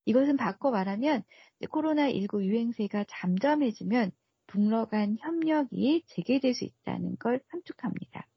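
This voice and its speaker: Gravelly, husky female expert on radio. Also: a little high, animated, moderate pace, hardly any pauses, no room sound, highs cut off. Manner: formal, explanatory. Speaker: research fellow, expert guest. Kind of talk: prepared analytical radio commentary.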